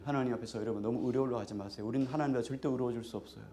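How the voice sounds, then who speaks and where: A man's voice: mid-range voice, fairly even intonation, very fast, mellow, a little hiss or hum. A male pastor giving a sermon in a conversational way, often putting questions to the congregation.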